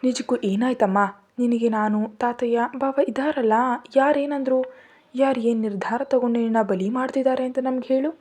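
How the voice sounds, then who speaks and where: A woman's voice: a little high, steady tone, moderate pace, warm tone, breathy edge. Woman voicing a soothing old grandmother. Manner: soothing, reassuring. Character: loving elderly grandmother.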